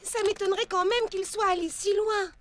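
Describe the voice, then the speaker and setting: A woman's voice: very high voice, steady tone, brisk. A woman voicing a bookish, helpful young girl who loves telling stories in a children's cartoon, over music. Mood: thoughtful. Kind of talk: French children's cartoon dubbing. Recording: background music under the voice.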